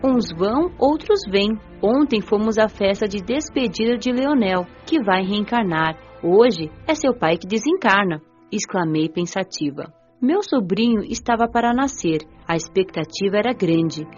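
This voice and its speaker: A woman narrates a dramatized spiritual story in a gentle, reflective voice with a lively melody. The audio is slightly muffled, with a soft music bed behind her. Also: mid-range voice, unhurried, few pauses. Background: soft background music.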